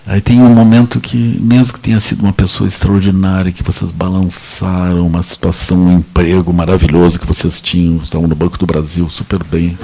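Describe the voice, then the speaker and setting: A man with a Brazilian Portuguese accent giving a relaxed, joking Buddhist talk to an audience, often repeating little tag phrases. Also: low voice, a little fast, few pauses, a little hiss or hum. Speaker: Buddhist teacher. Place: lecture at a meditation center.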